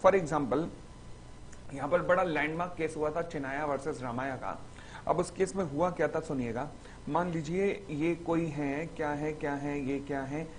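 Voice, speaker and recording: A man teaching a recorded exam-revision lecture, acting out little stories and reading definitions slowly, word by word. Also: a little high, slight background noise. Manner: lively, acts out little stories in the examples.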